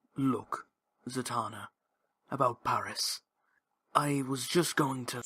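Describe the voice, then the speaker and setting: A man's put-on character voice with a British accent at medium pitch, fairly slow and fairly even, with long, frequent pauses and a dry, close sound with no echo. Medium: audio drama. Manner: flippant, casual.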